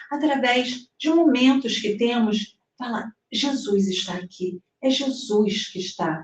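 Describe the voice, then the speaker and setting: A woman from Brazil, giving an animated spiritist devotional talk. She often ends phrases with a questioning tag and acts out little dialogues. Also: on the high side, muffled recording. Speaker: spiritist speaker. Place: hall in New Jersey. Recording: roomy, mic at a distance.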